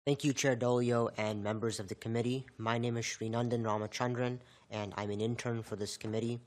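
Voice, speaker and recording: A man working as a committee intern, reading a formal bill report in a measured way. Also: fairly low pitch.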